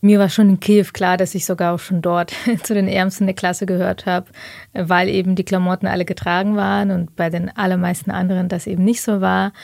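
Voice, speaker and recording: A woman's voice: mid-range voice, creaky, a little mellow, no echo, studio quality. A woman in her thirties, originally from Ukraine, thoughtfully telling her life story as a guest in an interview. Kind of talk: reflective personal interview.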